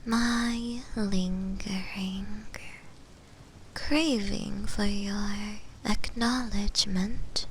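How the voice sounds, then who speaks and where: A woman voicing a possessive, flirty shadow demon in breathy, intimate ASMR whispers, halting and coaxing. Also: medium pitch, steady tone, slight background noise. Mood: yearning, flirty. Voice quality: breathy, almost entirely whispered. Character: flirty, possessive female shadow demon, shy yet obsessive. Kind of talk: whispered ASMR roleplay for sleep.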